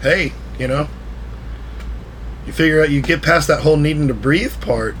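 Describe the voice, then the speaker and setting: A man co-hosting a podcast in relaxed, joking chat. His voice sits slightly high, and he laughs easily. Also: moderate pace, a little hiss or hum, poor audio. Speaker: podcast co-host. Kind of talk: casual chat.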